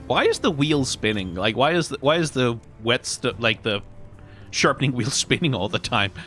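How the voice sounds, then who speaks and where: A man's voice: medium pitch, expressive, normal speed, a bit bright. A man giving casual video game commentary, musing aloud in a wry way. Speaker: gaming video host. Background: faint game music.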